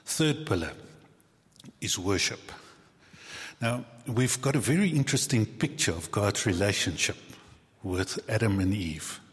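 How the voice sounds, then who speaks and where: A male pastor preaching a sermon in a church, animated and conversational, acting out quoted voices and joking with his congregation. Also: fairly low pitch, unhurried, long pauses. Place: church sanctuary. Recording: long reverb of a large hall.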